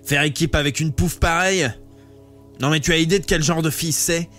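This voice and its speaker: A hostile teenage boy, as a reader puts him on, barks his lines in a loud, rough voice, slightly raised above the reader's usual pitch. He sounds blunt and distrustful throughout, in an audiobook reading. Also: fairly even intonation, a little fast, faint music behind, lightly acted. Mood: aggressive. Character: aggressive suspicious teenage boy with a gun.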